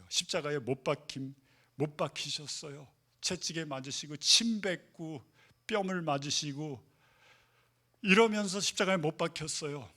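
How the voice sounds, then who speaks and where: Forceful Korean-speaking man preaching. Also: fairly high pitch. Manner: rhetorical questions, swings from loud to hushed. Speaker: pastor. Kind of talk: sermon.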